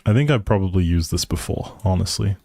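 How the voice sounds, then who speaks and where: A man with a lowish, soft-edged mellow voice streams a game and chats casually to his viewers. He rambles amiably, thinking out loud as he plays. The sound is close and dry, with almost no room on it. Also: expressive, brisk, vocal fry, no room sound. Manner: friendly rambling, thinking aloud. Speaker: live streamer playing a life simulation game. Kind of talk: casual gameplay chat with viewers.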